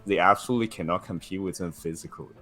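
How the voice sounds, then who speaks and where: A man in casual podcast chat who talks haltingly, restarting his sentences. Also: low voice, fairly bright tone. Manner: halting, many fillers and restarts.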